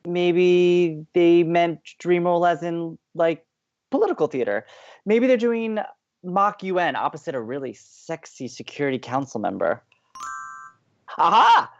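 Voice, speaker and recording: A man's voice: fairly high pitch, lively intonation, unhurried, muffled recording. A young man playing an upbeat, romantic-minded college radio co-host in an audio drama, earnest, playful and teasing. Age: young adult. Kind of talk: scripted audio drama banter.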